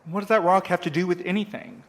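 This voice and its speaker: Actor doing a grumpy young courier dude in an audio drama, slightly high voice, blunt and combative. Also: male voice, fairly even intonation, fast, natural voice. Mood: baffled, irritated. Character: blunt, hotheaded, exasperated young male courier.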